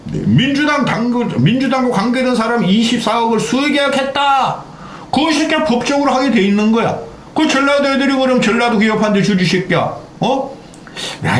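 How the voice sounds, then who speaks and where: An older man hosting a political commentary channel, ranting angrily, swearing and constantly throwing in "eh?" between sentences. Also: sits high. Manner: heated, swearing, repeatedly interjecting "eh?". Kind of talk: angry political rant. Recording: echoey room with faint background noise.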